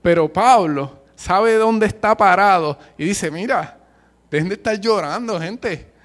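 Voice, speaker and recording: A man's voice: high voice, a little slow. A man with a Puerto Rican accent preaching a sermon, passionate and emphatic, mixing in colloquial slang and humor. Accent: Puerto Rican Spanish. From Puerto Rico.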